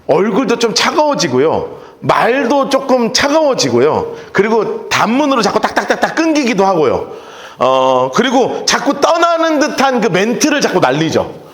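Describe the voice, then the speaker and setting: A man's voice: sits high, moderate pace, echoey room. A middle-aged man preaching a sermon as a pastor, telling stories and acting out quoted voices. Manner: lively storytelling with acted-out quotes. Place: church sanctuary.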